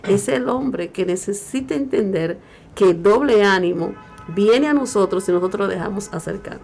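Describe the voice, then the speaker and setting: A woman talks on a Christian radio program. She preaches emphatically and lifts her voice whenever she quotes scripture. Her pitch sits in the middle range. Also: moderate pace, vocal fry, a little mellow, faint music behind. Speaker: radio show co-host.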